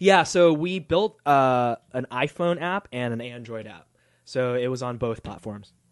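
With an ordinary speaking voice, a man talks at a fairly slow pace and medium pitch, his lively intonation paired with big swings in loudness, in a dry, close sound with no echo and a quiet background. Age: 20s. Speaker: humor writer and software developer. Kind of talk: casual interview chat.

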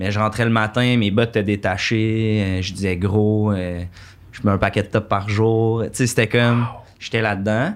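A man speaks at a fairly slow pace with a fairly low pitch. His intonation is monotone and flat. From Quebec, Deux-Montagnes / Saint-Eustache. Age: 30s. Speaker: comedian and former construction worker. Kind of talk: casual chat.

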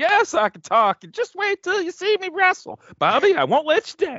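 An extremely high, put-on character voice in a Southern US accent moves at a moderate pace. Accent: southern American. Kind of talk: polite, gentlemanly.

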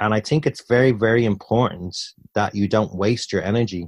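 A man speaks at a fairly quick pace with a Dublin accent. The background is quiet. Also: dry, close sound with no echo. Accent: Dublin Irish. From Ireland, Dublin city centre. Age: 30s. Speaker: professional wrestler and wrestling promoter. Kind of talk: casual interview chat. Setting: remote call.

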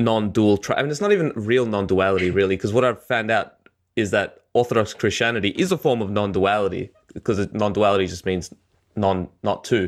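On a very clean recording with a silent background, a man with an Australian accent and fairly low pitch talks at a fairly quick pace.

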